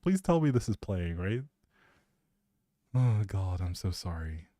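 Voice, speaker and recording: A man's voice: sits low, very animated, a little slow, dark tone, dry recording. A man hosting a livestream, rambling casually and chattily, often breaking off mid-thought, speaking close to the mic. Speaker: live streamer, host.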